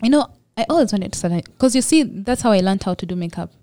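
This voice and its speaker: A woman's voice: mid-range voice, lively intonation, fast talker, warm tone, no echo. A young Ugandan woman with a Ugandan accent, speaking modestly and reflectively as a podcast guest. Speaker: guest, makeup entrepreneur. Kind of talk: casual podcast interview.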